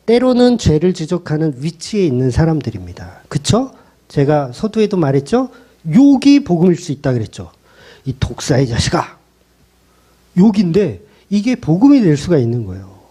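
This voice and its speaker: Pastor guy preaching, super lively pitch swings, mellow tone, keeps asking the crowd questions. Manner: emphatic, rhetorical questions to the congregation; blunt, colloquial preaching. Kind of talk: sermon.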